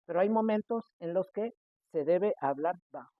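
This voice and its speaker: A Mexican man preaching a sermon as pastor, acting out the people he quotes with sudden shifts in loudness. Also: high voice, normal speed, no room sound. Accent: Mexican Spanish. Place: church. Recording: dry, tinny phone-like sound.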